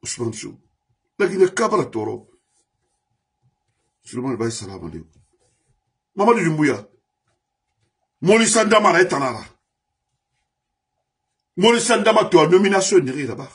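His voice a little high and breathy-edged, with big pitch swings, this man from Guinea gives a fiery political monologue as a diaspora commentator at a normal speed, pausing often. He grows heated, shouting at times and reciting grievances in recurring refrains.

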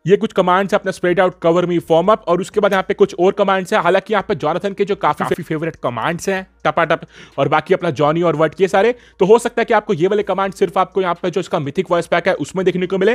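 A man with an Indian accent doing a casual gaming news voice-over as a YouTuber. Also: high-pitched.

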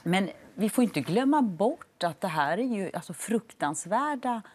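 A woman in her forties, a lawyer and studio guest on a morning TV show, explaining in a measured, firm way on a lapel mic. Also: medium pitch, expressive, a little mellow. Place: TV studio set.

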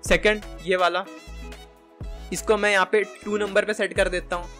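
A man, giving a casual, chatty software tutorial for gamers. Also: sits high, flat delivery, moderate pace. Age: 20s. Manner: informal, chatty, Hindi mixed with English tech words. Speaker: video tutorial presenter. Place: indoor room at a gaming chair, voice over screen capture. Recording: music behind the voice.

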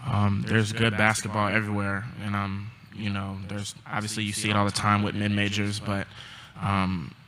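Young man, college athlete, flat monotone, halting with ums, noisy press room. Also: lowish voice. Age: young adult. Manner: subdued, halting, many ums. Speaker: college basketball player. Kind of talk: postgame press conference answers. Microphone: table mic.

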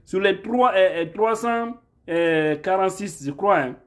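A man in his thirties with a high voice speaks straight into a phone camera in a room at home. He argues emphatically, pushing each point and tagging questions onto his lines. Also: a little slow. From Guinea. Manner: emphatic, rhetorical, asks "hein?" often. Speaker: political commentator. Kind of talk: impassioned political monologue. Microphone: phone camera held at arm's length.

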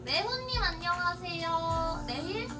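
A woman's voice: extremely high pitch, animated, measured pace. A young woman live streamer chatting casually from a small room, heard through a stream playback. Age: young adult. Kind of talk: casual livestream chat. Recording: distant stream playback under loud music.

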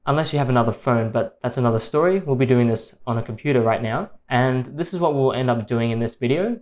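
A man hosting a tech tutorial, calmly explaining each step in a screen-recorded voice-over. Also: medium pitch.

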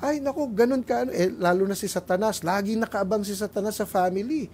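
A man's voice: high voice, fast, a little mellow, a little hiss or hum. A middle-aged man with a Filipino accent gives a Catholic talk on family life, telling stories and acting out voices as he mixes in English phrases. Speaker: lay preacher.

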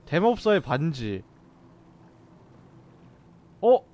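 Male game streamer, animated swings, slightly high register, casual grumbling and coarse exclamations. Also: very slow.

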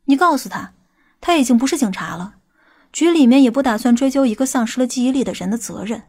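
A woman playing a stern, sharp-tongued police officer in an audiobook, commanding and scolding. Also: sits high, animated, fast. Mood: cool, stern. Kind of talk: audiobook character acting.

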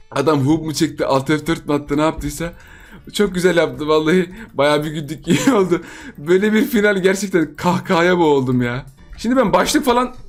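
A man giving playful gameplay commentary for his channel, chatty and laughing often as he talks straight to his viewers. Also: on the high side. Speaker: gaming channel host.

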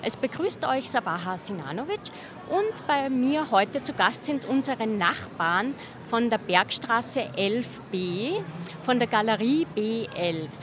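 A woman's voice: a little high, lively intonation, unhurried. A woman in her thirties hosting an interview outdoors at a street festival, speaking into a handheld mic. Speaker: host. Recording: street noise behind.

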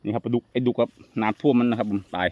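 A man's voice: medium pitch, flat delivery, rapid-fire, dry recording. A chatty man talks viewers through a casual fishing vlog in the countryside. The sound is dry and a little muffled, as if from a lo-fi mic outdoors, with animals heard behind him. He laughs easily and calls his viewers brothers and sisters. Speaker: vlogger. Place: outdoors in rural fields.

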